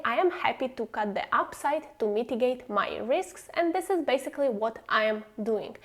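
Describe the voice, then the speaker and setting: A woman from Ukraine with a Ukrainian accent, a non-native speaker, giving explanatory commentary straight to her viewers in an emphatic, opinionated manner. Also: a little high. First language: not English. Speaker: host of a stock investing channel.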